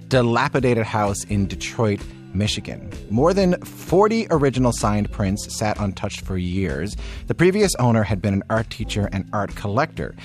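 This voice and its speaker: Lively-voiced male radio host. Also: lowish voice. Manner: chatty, jokey. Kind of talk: radio interview and show links.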